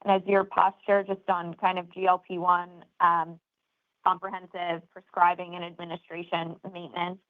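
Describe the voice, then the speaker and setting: A woman's voice: lowish voice, level tone, moderate pace. A woman working as a financial analyst, putting questions to executives on an earnings call. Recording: thin, phone-like conference call line.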